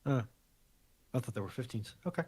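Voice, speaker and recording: A man's voice: mid-range voice, lively intonation, fairly quick, a little mellow. A man on a discussion panel, chatting casually and putting questions to the others. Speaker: panel commentator, reads out questions. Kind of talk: casual chat.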